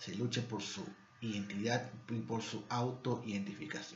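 A man speaks in an unremarkable speaking voice at a medium pitch. His pace is fairly slow. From Peru, Callao (Ventanilla). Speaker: Afro-Peruvian activist. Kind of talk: personal testimony.

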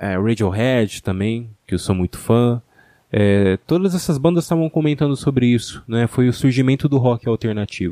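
In a very clean, dry, close recording with a silent background and no echo, a man speaks at a medium pitch with a dark, mellow tone. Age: 20s. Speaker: podcast host. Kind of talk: solo podcast monologue, film recommendations. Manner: casual, conversational with fillers.

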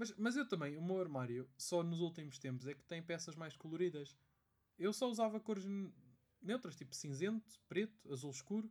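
A man talks with a Lisbon accent in a high pitch and lively intonation. His loudness swings widely. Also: moderate pace. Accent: European Portuguese (Lisbon area). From Portugal, Mafra. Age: young. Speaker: podcast co-host. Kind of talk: casual chat.

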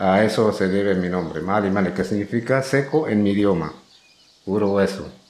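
Noticeable background noise and audible room echo surround a man speaking at a moderate pace with fairly low pitch, ordinary pitch variation and very even loudness. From Panama, Guna Yala (San Blas). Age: 50s. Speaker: former prison inmate. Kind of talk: interview testimony. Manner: halting.

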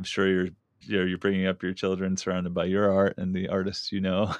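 Over a quiet background, a man with an American accent talks in a very deep, low pitch and a monotone, flat intonation. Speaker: podcast host. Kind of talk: casual interview.

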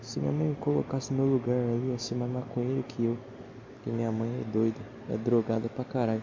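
Noticeable background noise sits behind a man speaking at a medium pitch. He talks at a fairly quick pace with ordinary pitch variation. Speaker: amateur podcaster. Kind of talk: casual monologue. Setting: bedroom at night, phone recording. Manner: soft-spoken. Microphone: phone mic, muffled.

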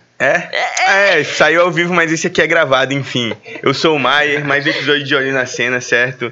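A fairly high-pitched man talks fairly quickly, his intonation fairly even, while noticeable background noise plays behind him. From Manaus, Amazonas, Brazil. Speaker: podcast co-host. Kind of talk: casual chat.

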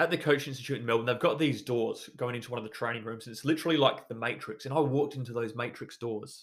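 In a very clean recording with a silent background, a man speaks with an Australian accent. His tone is bright and sharp, his pace fairly quick, his pitch variation ordinary. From South Australia, Whyalla. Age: 30s. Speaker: podcast host and financial coach. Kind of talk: solo monologue podcast.

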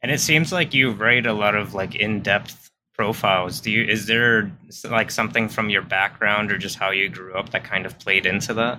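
Bright, sharp tone at a moderate pace, with ordinary pitch variation and hardly any pauses. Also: man, fairly low pitch for a man. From New York City. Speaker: podcast co-host, engineering PhD student. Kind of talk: podcast interview.

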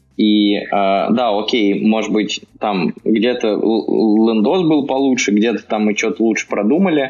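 A man talks at a fairly slow pace with hardly any pauses. His pitch is medium, with ordinary variation. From western Russia, Bryansk. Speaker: startup founder and CEO. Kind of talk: podcast interview. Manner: halting, many fillers.

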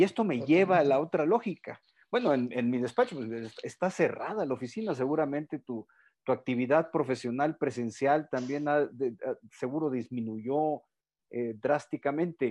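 A man with a plain, everyday voice speaks at a moderate pace, with a fairly high pitch and lively intonation. The sound is dry and close with no echo, and the background is quiet. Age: 60s. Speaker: lawyer and webinar host. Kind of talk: online interview.

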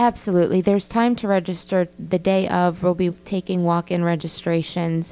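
With an American accent, this woman has an ordinary speaking voice, fairly low in pitch, delivered at a fairly quick pace with fairly even intonation. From Staten Island, New York. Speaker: recovery fitness program co-founder. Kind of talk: interview.

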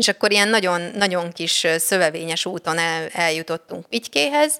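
A woman's bright, sharp voice at medium pitch and moderate pace, dry and close with no echo, on a very clean recording with a silent background. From Budapest, Hungary. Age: 30s. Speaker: beautician and HR consultant. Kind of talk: casual chat.

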